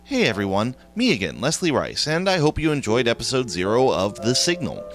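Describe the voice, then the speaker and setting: An upbeat man closes his podcast with casual thanks and credits. His voice is lively and cheerful, and he talks quickly. Music plays clearly behind him. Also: medium pitch. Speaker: podcast host.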